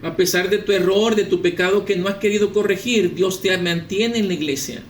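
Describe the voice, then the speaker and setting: A man preaching a sermon with an animated manner, telling a humorous story and voicing its characters. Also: sits high, fairly quick. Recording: echoey room with faint noise.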